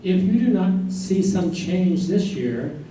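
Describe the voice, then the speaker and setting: A man's voice: high-pitched, animated, slow, dark tone. A man reading as an ensemble narrator in a scripted staged play reading. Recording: very echoey stage, distant mic, noise.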